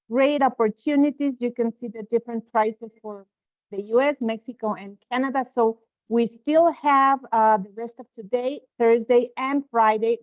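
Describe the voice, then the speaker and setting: A woman hosting a live webinar, going through sales promotions quickly with frequent filler sounds over a video call. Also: fairly high pitch, no echo. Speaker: host presenting promotions. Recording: tinny, dry call audio.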